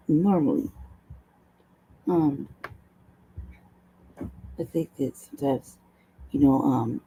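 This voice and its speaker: Woman host, hoarse low voice, gravelly, rambling casual chat, swears, desk mic. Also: mellow, slight background noise, low-quality recording. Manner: rambling, laughs often, swears. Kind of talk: casual livestream talk.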